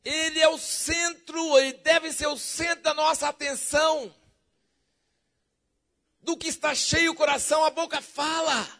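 Very high-pitched fervent Brazilian preacher man. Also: fairly even intonation, measured pace. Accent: Brazilian Portuguese. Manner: fervent, swinging from loud shouts to soft low lines; jokey, drawing the congregation in with questions. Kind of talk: sermon.

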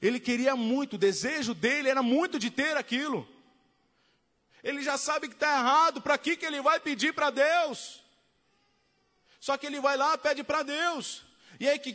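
A man with a Brazilian Portuguese accent preaching a sermon as pastor, telling the story in a lively way and acting out the quoted voices. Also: extremely high pitch, in a large hall.

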